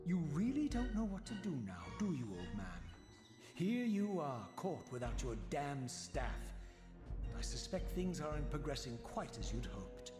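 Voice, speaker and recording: An actor playing a proud, scornful undead spirit of vengeance in a video game, speaking with sardonic, theatrical precision. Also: male voice, fairly high pitch, sing-song, a little slow. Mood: mocking. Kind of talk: dramatic video game voice acting. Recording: echoey long reverb, game music behind.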